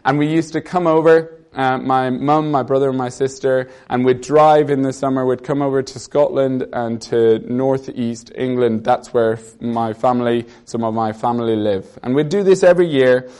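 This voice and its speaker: A man's voice: medium pitch, fairly even intonation, normal speed, hardly any pauses, a little mellow, clear, resonant tone. A young Irish man preaching a conversational sermon, reading a psalm and telling a story from his childhood. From Ireland. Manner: earnest, conversational preaching with personal stories.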